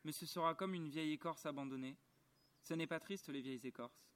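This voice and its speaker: A man reading aloud and speaking the lines of a gentle, earnest little boy prince in a soft, quiet voice close to his own, outdoors in a garden. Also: a little high, a little fast, clear, resonant tone, close to an everyday voice. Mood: tender, sad.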